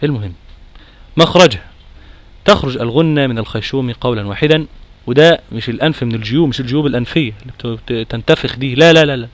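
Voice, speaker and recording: A man with an Egyptian accent teaching a Quran recitation lesson, nasal and congested from a cold, lively and quizzing his class. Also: mid-range voice, fast talker, no room sound. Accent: Egyptian Arabic. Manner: lively, questions the class, chants recitation examples.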